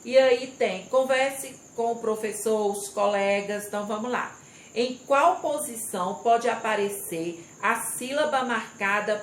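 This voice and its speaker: A woman teacher walks young pupils through a lesson at an unhurried pace, spelling out syllables and reading the exercises aloud. Her voice sits in an echoey room with a faint hum of crickets behind it. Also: mid-range voice. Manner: slow, step-by-step explaining, reading aloud and stressing syllables. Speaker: primary school teacher. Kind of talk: recorded remote class lesson.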